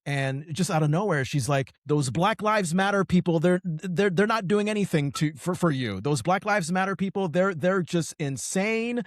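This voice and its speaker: Animated male podcast host, dry sound. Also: sits high, moderate pace, few pauses, no room sound. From Connecticut. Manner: animated storytelling, frequent restarts. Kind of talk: casual conversation.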